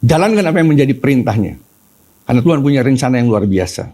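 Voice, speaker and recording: A man's voice: medium pitch, lively intonation, quick pace, mellow. A middle-aged man preaching a sermon, telling personal stories and acting out quoted voices as he addresses the congregation. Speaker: pastor.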